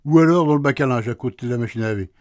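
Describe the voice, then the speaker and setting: A man's voice: medium pitch, racing, darkish tone, dry recording, natural voice. An actor playing a sleepy, teasing husband in a radio play, answering his wife with dry sarcasm. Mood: grumpy, teasing. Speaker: husband woken at night.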